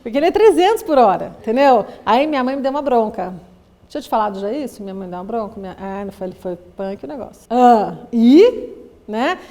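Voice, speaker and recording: A Brazilian woman psychologist giving a lively talk to an audience, acting out little scenes in quoted voices with laughing asides. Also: a little high, fast. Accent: Brazilian Portuguese. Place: lecture room with audience.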